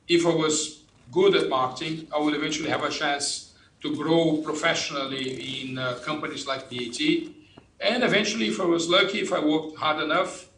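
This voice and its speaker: A man in his fifties with a Brazilian accent, a native Portuguese speaker, talking through his career in a measured, explanatory way as an interview guest. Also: fairly high pitch, pushed and bright, slight background noise. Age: 50s. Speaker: company executive, interview guest. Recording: roomy, echoing sound.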